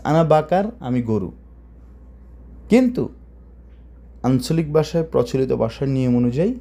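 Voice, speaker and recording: A man's voice: fairly high pitch, dark tone. A man teaching Arabic phrases, who explains each word, repeats phrases and asks his listeners questions. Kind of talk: language lesson.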